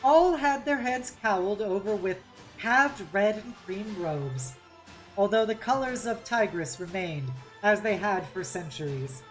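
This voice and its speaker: A woman's voice: mid-range voice, animated, measured pace, faint music behind, rough recording. A woman streamer hosting a read-along, narrating a novel expressively with casual asides.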